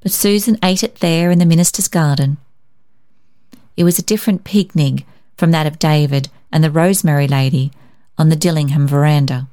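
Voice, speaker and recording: A woman reading a literary story aloud as narrator, in an expressive scripted style. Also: low voice, brisk, no echo, clean studio sound. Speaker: story narrator and podcast host.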